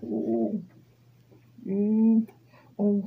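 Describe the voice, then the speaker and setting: An actress with a Filipino accent playing a childlike, innocent young person with special needs in a radio drama, speaking haltingly and simply. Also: female voice, medium pitch, flat delivery, creaky, breathy edge, phone-quality sound, exaggerated voice. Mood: shyly proud.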